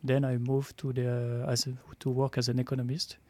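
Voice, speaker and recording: A French-accented man in his thirties, a startup co-founder telling his story in a studio interview, measured and quick to laugh at himself. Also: mid-range voice, monotone, a little mellow, no room sound. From France. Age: 30s.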